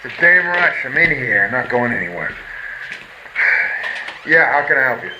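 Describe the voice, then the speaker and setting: Actor playing a gruff noir detective on noisy tape. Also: male voice, medium pitch, big pitch swings, moderate pace, dull audio, close to an everyday voice. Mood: irritated. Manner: curt, sardonic, irritable. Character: gruff, brusque 1940s-style noir private detective. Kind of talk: film noir audio drama acting. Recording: clearly noisy old-tape recording.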